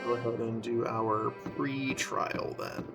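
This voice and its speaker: A woman's voice: very deep voice, steady tone, slow, loud music behind the voice. A woman chatting casually as the host of a group game stream. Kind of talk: casual live-stream chat.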